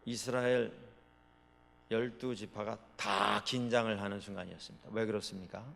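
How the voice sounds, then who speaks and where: A male pastor preaching a sermon, with dramatic swings between loud proclamations and quiet asides. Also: on the low side, steady tone, normal speed, vocal fry. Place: church sanctuary. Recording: long reverb of a large hall.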